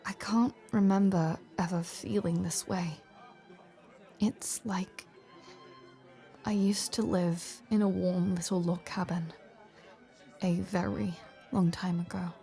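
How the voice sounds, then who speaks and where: A woman playing an icy war general softened by love in an audio roleplay, speaking in a hesitant, breathy, confiding way, wistful and vulnerable. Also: medium pitch. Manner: hesitant, halting, breathy half-whispered confiding. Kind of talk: dramatic audio roleplay acting, intimate confiding dialogue.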